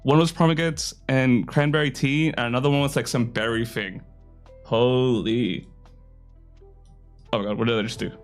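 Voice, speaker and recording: A young man chats casually on a live stream, rambling with lots of fillers and poking fun at himself. His throat is a little hoarse and his voice sits at an ordinary middle pitch. Faint music plays behind him. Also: fairly even intonation, normal speed, long pauses. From Australia. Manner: rambling and self-deprecating, full of fillers.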